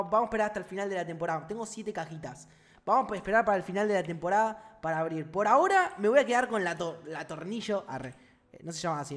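A young man with a Rioplatense Spanish accent doing casual, excitable gameplay commentary full of slang, talking straight to his viewers. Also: high voice. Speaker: gaming youtuber.

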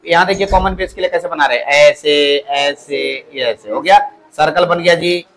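A man's voice: fairly high pitch, moderate pace, fairly bright tone. A male polytechnic teacher giving a classroom lecture, repeating key words back to his students as questions. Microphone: clip-on mic at the waist.

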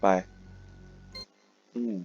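A man's voice: extremely slow, muffled recording, faint music behind. Rambling young man playing a game. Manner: rambling, joking, crude slang. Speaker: gaming YouTuber. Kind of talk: casual let's-play commentary.

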